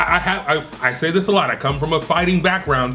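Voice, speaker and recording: With an American accent, a man talks at a very fast pace in an animated tone and lively intonation over noticeable background noise. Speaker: wrestling podcast co-host. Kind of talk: casual chat.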